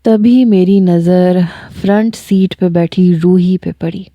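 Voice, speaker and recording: A woman narrating a first-person story in a calm, measured reading. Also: fairly low pitch, no room sound, muffled recording.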